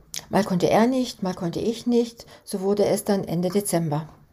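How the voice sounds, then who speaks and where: The voice is dark and mellow, somewhat breathy, and moves at a moderate pace. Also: woman. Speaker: podcast host. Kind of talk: interview. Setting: video call from a near-empty flat. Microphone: laptop mic, voice sounds hollow.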